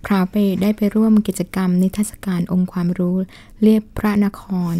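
A woman's voice: medium pitch, flat delivery, moderate pace, dry recording. A middle-aged woman, a homeschooling mother, talking politely with small hesitations in an interview. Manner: soft-spoken, polite, with frequent hesitations. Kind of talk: casual interview talk.

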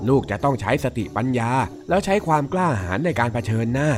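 A man's voice: mid-range voice, expressive, quick pace, lightly acted. A man voicing a stern wise father sheep. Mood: solemn.

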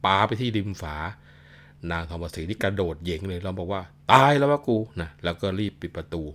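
A man telling a classic tale in an animated, conversational way. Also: sits low, fast. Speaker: storyteller. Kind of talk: casual storytelling of a classic tale.

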